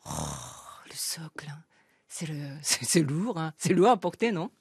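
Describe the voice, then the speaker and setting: A Japanese woman in her fifties with a Japanese accent, speaking French as a second language in a radio interview, halting and full of fillers and restarts. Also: deep voice, expressive, darkish tone, breathy edge, no echo, clean studio sound. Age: 50s. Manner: hesitant, many fillers and restarts, laughs often. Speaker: guest writer.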